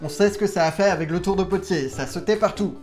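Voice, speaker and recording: A man's voice: high-pitched, quick pace, darkish tone, soft background music. Playful, self-mocking man hosting a vlog. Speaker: YouTube host testing gadgets. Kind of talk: casual unboxing vlog.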